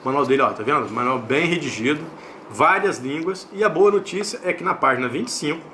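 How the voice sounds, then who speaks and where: Higher-pitched Brazilian man, noisy recording. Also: animated, fairly quick, pushed and bright. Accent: Brazilian Portuguese. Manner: explanatory, repeats and checks in with tag questions. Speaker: product review host. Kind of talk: casual unboxing and review narration.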